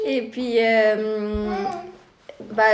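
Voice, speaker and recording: Noticeable background noise and audible room echo are present. A woman talks over them with a fairly high pitch. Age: 20s. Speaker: stay-at-home mother. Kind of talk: casual interview chat. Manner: hesitant, many fillers.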